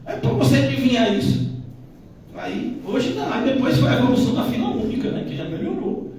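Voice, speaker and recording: A man's voice: extremely high pitch, big pitch swings, fairly quick, creaky, a loud crowd. A male pastor teaching a Bible-study sermon in a conversational manner, dotted with "né?" asides. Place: church hall. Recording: echoey church hall, distant mic.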